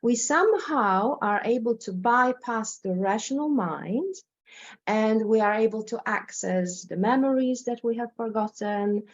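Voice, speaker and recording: A woman's voice: a little high, lively intonation, unhurried, lo-fi sound. A woman from Poland with a Polish accent gives an informal presentation as a therapist, speaking hesitantly, repeating words and often checking in with the listener. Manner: hesitant, repeats words, tags sentences with "right?". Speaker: hypnotherapist presenting.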